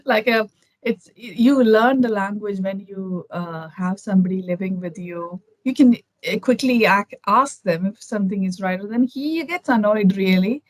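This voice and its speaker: A woman's voice: medium pitch, moderate pace, dry recording, low-quality recording. A woman from Kerala with an Indian accent, chatting thoughtfully as a guest on a video call, with many fillers and restarts. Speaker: interview guest. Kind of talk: casual conversation over a video call.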